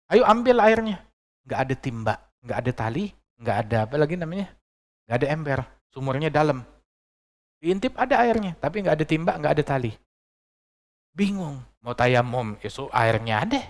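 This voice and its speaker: A male preacher with a lilt tells stories in a lively way and acts out the dialogue. His voice sits a little high for a man and carries a gravelly, fry-edged texture. He drops joking asides into the story. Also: moderate pace. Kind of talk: storytelling sermon.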